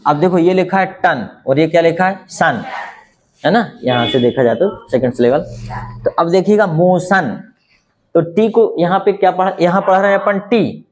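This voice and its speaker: Man, native Hindi speaker, English teacher, fairly high voice, patient explaining, rhetorical questions. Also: moderate pace. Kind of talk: spoken English lesson.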